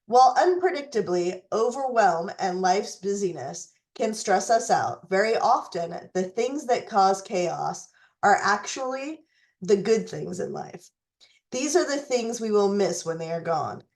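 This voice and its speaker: A woman hosting a recipe tutorial who is losing her voice and fighting a cough, talking in a deliberate way with some fillers. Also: medium pitch, expressive, darkish tone. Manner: slow, deliberate, with fillers and restarts. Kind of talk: reading a letter, then walking through recipes.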